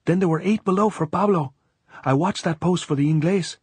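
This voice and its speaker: A man voicing a nervous, excitable gypsy guerrilla who chatters in old-fashioned phrasing in an audiobook. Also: sits high, fairly quick, slightly rough, no echo, pitched above the performer's own voice. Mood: excited. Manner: excitable, raised voice, archaic phrasing.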